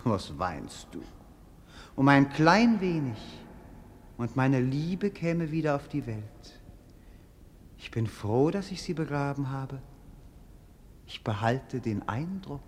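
An actor playing a melancholic, bored young prince in a German radio play, speaking in a declamatory, world-weary, poetic way. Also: male voice, medium pitch, big pitch swings, slow, pauses often, slight background noise.

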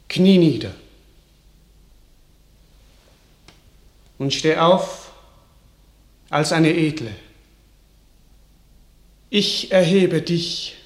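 An actor playing a gracious, grateful medieval king, declaiming classical verse in a stately way for a radio drama. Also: on the high side. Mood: ceremonious, exalted.

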